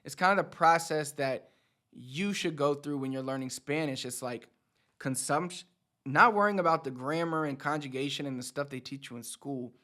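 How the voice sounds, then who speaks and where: Speaking at a moderate pace in a slightly high, bright and forceful voice, a man in his thirties motivates his audience. He's a Spanish teacher and channel host, chatting conversationally and repeating words to stress them.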